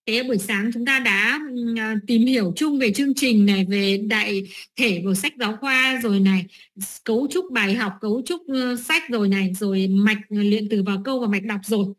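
A woman's voice: a little high, fairly quick. A middle-aged woman training teachers, explaining lesson steps with many fillers and "right?" checks.

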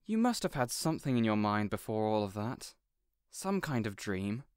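A man's voice: fairly low pitch, big pitch swings, moderate pace, smooth, dry recording, clean studio sound. A man playing a kindly, encouraging villain boss in an audio roleplay, speaking earnestly and reassuringly. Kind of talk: character audio roleplay acting.

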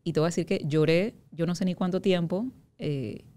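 Woman in her 30s, really low pitch and a warm, mellow tone, chatting openly as a guest, lots of "o sea" loops. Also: normal speed. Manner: frank, talks in long loops with many "o sea" asides. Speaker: interview guest. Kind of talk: candid conversational interview.

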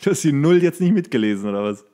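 A man's voice: on the high side, expressive, very fast, dark tone. A man chatting casually as a podcast co-host, teasing and joking as he rambles along. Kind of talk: casual comedic chat.

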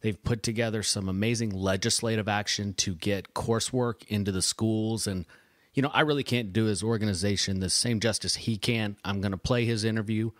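Male host in his forties, low voice, dry studio sound, steady and conversational. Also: brisk, dry recording. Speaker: show host. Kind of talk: podcast hosting.

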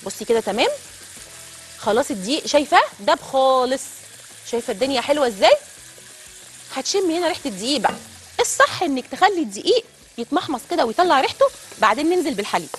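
A woman with an Egyptian Arabic accent hosts a TV cooking show, chatting directly to viewers during a live demonstration in a studio kitchen. Her high voice is sing-song and quick, broken by long pauses, with slight background noise.

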